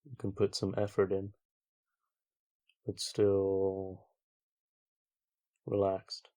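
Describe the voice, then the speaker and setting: A man with a fairly low voice guides a meditation. His delivery is very slow and flat in melody, with long gaps between gentle instructions. He sounds like a calm teacher talking a group through their practice.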